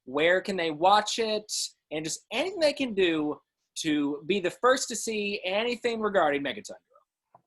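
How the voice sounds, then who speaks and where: A man's voice: high voice, sing-song, moderate pace, a bit bright. A young man hosting a casual interview show over a video call, with practised presenter phrasing. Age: young adult. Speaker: show host. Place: small room at home, video call.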